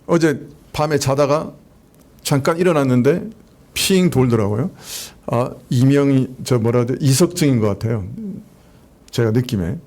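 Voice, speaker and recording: A man preaching a Sunday sermon as pastor, in a conversational way, letting phrase endings trail off quietly. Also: mid-range voice. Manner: conversational preaching with soft laughs and drawn-out endings. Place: church sanctuary.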